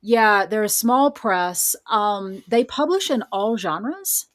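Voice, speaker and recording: A woman's voice: medium pitch, animated, slow pace. A woman speaking conversationally as a guest author in a podcast interview.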